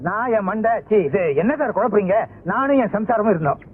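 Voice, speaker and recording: A naive rambling villager, high voice, tinny old film track with a bit of hiss. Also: male voice, fast. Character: simple-minded villager, rambling. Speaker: villager reporting a lost cow.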